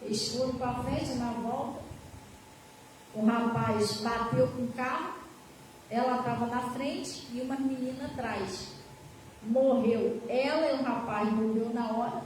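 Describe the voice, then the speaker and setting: A woman's voice: fairly high pitch, fairly even intonation, unhurried, darkish tone. A woman pastor preaching a sermon, telling a story emphatically and turning to the congregation. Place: church hall. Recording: echoey hall from far off, faint noise.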